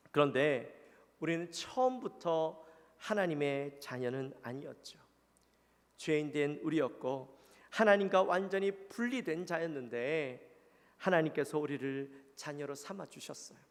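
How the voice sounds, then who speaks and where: This pastor's voice sits a little high and has a creaky quality, shaped by a Gyeongsang Korean accent. His sermon is sincere and conversational, full of questions for the congregation, echoing with long reverb through the church sanctuary.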